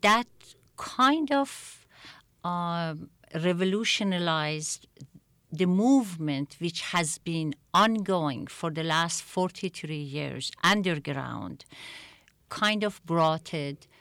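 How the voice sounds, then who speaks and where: Slow, low-voiced woman from Iran. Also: animated, a bit bright, no room sound. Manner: halting, many repeated words and restarts. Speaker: guest, attorney and activist. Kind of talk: interview answers.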